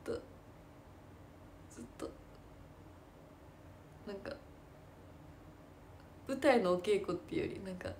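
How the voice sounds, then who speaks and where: A young woman talks in an easy, casual chat, self-deprecating and quick to laugh. Her voice sits at a middle pitch for a woman. Faint background noise runs under the recording. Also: expressive, darkish tone. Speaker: idol and stage actress.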